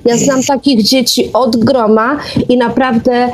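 A woman's voice: a little high, steady tone, measured pace. A woman chatting casually and giving her opinions as a guest calling in to a radio show. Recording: clearly noisy call with clicks.

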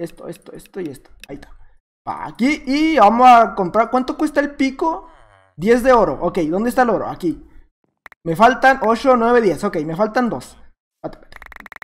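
A man with a Mexican accent giving jokey, casual commentary while playing a game, talking to himself and to opponents, jumping between loud outbursts and muttered asides. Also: very high-pitched. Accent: Mexican Spanish. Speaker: gaming YouTuber.

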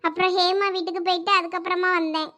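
Woman playing a high sulky college girl. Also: little pitch movement, fast talker, sharp tone. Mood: accusing. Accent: Thoothukudi Tamil. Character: first-year college girl, sulky and tattling. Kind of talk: village comedy skit.

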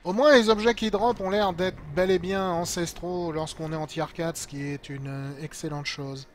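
A man's voice: a little high, fairly even intonation, moderate pace. A man giving casual, colloquial, mildly sarcastic live commentary as a game streamer. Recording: game sound clearly behind voice. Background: video game noise and ambience.

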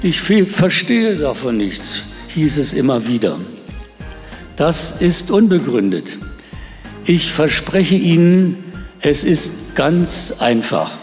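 An older man giving a lecture at a desk microphone, with a slow, emphatic delivery. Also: on the high side, sing-song, in a large hall, soft background music. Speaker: conference speaker. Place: seated at a desk in a studio.

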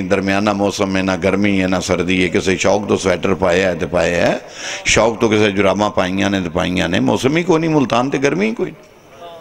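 A man's voice: on the low side, gravelly. A man from Pakistan, preaching an impassioned majlis sermon to mourners in a large tent, his voice swinging between dramatic rises and sudden drops. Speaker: zakir preacher at a mourning gathering. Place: large tent with a seated crowd. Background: gathered mourners.

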